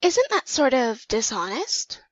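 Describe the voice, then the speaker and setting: A woman's voice: sits high, sing-song, measured pace, no room sound, highs cut off, exaggerated voice. A woman playing an eager, naive young clone in an audio drama, earnest and full of questions. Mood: uncertain, curious. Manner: earnest, wide-eyed, questioning.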